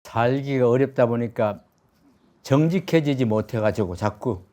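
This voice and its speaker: Mellow-voiced male interview host. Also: mid-range voice. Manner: measured, lists dates carefully. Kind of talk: interview questions.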